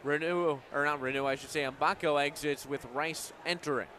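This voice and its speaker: Young man, American accent, high voice, live sports play-by-play, noisy venue behind. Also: fairly even intonation, normal speed, bright, forceful tone. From United States. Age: young adult. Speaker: radio play-by-play broadcaster. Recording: live game broadcast, crowd noise behind. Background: crowd and game noise.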